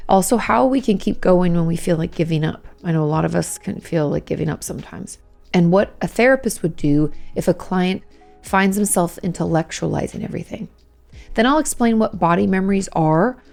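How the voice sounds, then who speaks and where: A hoarse woman, hosting a casual advice podcast as a therapist and explaining things patiently with frequent "okay?" check-ins. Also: fairly low pitch, darkish tone. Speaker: host, licensed therapist.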